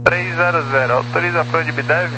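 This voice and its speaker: A man, an airline pilot, heard over the aviation radio, reading back clearances in clipped radio phraseology. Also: a little high, fairly even intonation, fast talker. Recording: noisy radio channel with hum.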